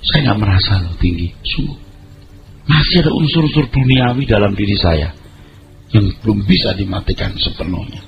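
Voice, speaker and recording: A man's voice: lowish voice, animated, moderate pace, creaky, background noise. A middle-aged male pastor preaching a sermon, emphatic and conversational, with colloquial asides to the congregation. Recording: dull lo-fi audio with music behind. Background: background music.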